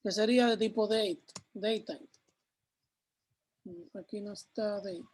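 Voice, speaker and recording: A man leads a programming class in a high voice. He talks his students through each step and raises questions before he answers them himself. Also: fairly even intonation, slow pace, a little mellow. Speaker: programming teacher. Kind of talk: live class explaining code on screen.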